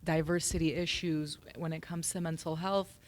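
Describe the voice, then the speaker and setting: Low-voiced casual woman guest. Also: fairly even intonation, normal speed. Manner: casual, uses "like" often. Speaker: podcast guest. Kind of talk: casual panel chat.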